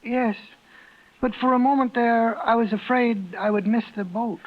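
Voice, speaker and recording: A man's voice: extremely high pitch, normal speed. An actor playing a mild, timid male ship passenger who puts on tough-guy slang in a 1950s radio drama. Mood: mild, evasive. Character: timid male second-class passenger turned adventurer. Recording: muffled 1950s radio broadcast.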